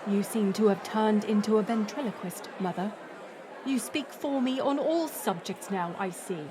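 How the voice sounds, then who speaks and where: A woman's voice: mid-range voice, moderate pace, noisy background, close to an everyday voice. Woman acting a fiery, indignant young princess. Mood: bitingly sarcastic. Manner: indignant, biting, swearing. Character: fiery, defiant young princess, betrayed and sarcastic. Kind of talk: dramatic audio roleplay acting. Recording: music and crowd murmur behind. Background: music and banquet crowd.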